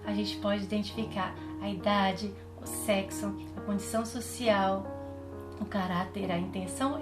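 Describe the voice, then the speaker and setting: A woman with a Brazilian accent giving a drama lesson, explaining clearly and demonstrating. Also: medium pitch. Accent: Brazilian Portuguese. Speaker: drama teacher. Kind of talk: recorded online lesson. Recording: echoey room with faint music.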